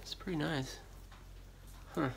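A middle-aged American man, a vlogger who buys storage auction lots and resells them, rambles and thinks aloud in casual, unscripted commentary while unboxing in a concrete-floored storage unit. His voice is a little high and creaky, with fairly even intonation and a slow pace. The handheld recording is noisy with crinkling and clicks, and loud rustling, crumpling and clicking fill the background.

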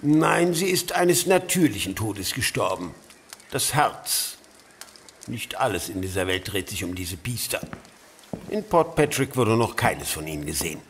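A man's voice: on the low side, very animated, unhurried, a bit bright, slight background noise, heavily acted. A man playing a cold-hearted, pious, middle-aged uncle and guardian in an audio drama, commanding and pompous. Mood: cold, dismissive. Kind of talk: German audio drama acting.

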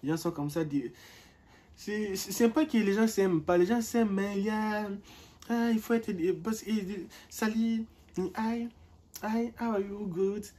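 Husky-voiced young man vlogging. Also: sits high, moderate pace. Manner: animated storytelling, repeats words as he searches for them. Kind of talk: casual vlog talk to camera.

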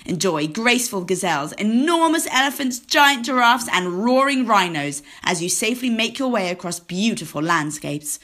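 A woman's voice: mid-range voice, expressive, moderate pace, few pauses, a bit bright. A woman voice-over artist reading scripted advert narration.

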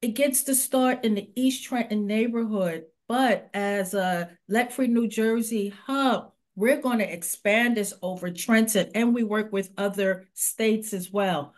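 A woman community organizer talking earnestly on a video call, listing problems one by one. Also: mid-range voice. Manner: earnest, listing issues deliberately. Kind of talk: interview talk.

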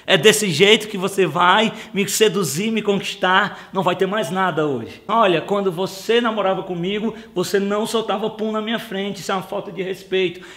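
A man mimicking his wife as she scolds and whines at him, in his own gravelly voice. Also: a little high, normal speed. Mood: scolding. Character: his nagging, pouting wife, middle-aged woman.

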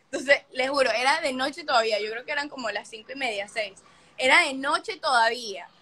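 A young woman hosting a livestream and telling a story in a casual, animated way. Her voice is bright and forceful and sits fairly high. She swears freely and acts out each scene. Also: fairly quick. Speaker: livestream host.

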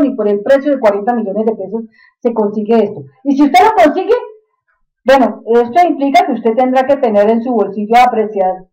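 A woman's voice: on the high side, mellow, poor audio. A Colombian woman with a Bogotá accent, talking informally and emphatically to her students as an online instructor, repeating phrases for stress. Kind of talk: informal motivational talk to students in a screen-recorded tutorial.

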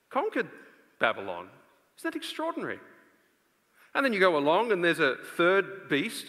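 A man's voice: fairly high pitch, sharp tone. A man in his thirties preaching from a stage in an emphatic, explanatory way, posing rhetorical questions as he expounds scripture. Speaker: preacher, conference speaker. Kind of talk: expository Bible lecture to a live audience. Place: stage of a large auditorium. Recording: reverberant large hall.

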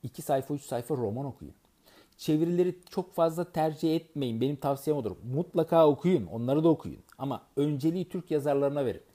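A man giving earnest, advising talk to his audience as a network marketing trainer, pausing often with fillers and restarts. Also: on the high side, animated, mellow. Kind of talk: advice monologue to an audience.

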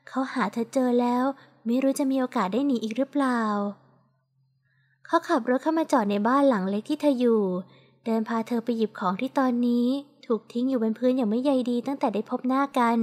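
A woman narrating a romance audiobook in a steady, even storytelling voice. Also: high voice. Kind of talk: scripted narration.

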